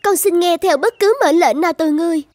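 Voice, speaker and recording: A woman playing a devout, self-sacrificing young tribal maiden in an animated folktale, earnest and reverent. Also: very high-pitched, quick pace, no room sound. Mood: humble wonder. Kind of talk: dubbed animated folktale acting.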